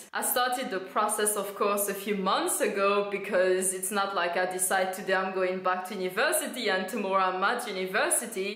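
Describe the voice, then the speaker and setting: A woman with a French accent at medium pitch and a moderate pace, with noticeable background noise and audible room echo. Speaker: vlogger. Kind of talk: casual chat. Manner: animated.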